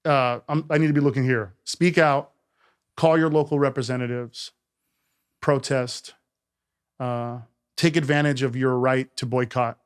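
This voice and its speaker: A man's voice: medium pitch, steady tone, a little slow, long pauses, smooth. A man hosting a casual podcast conversation who speaks earnestly, often hesitates with fillers, and answers with short affirmations. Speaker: podcast host.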